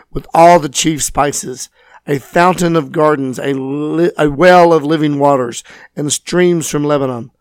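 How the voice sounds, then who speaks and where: A man with a scratchy, hoarse voice, teaching and reading scripture as host of a Bible program. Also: fairly high pitch, no room sound. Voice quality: scratchy, raspy. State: hoarse from voice loss, recovering.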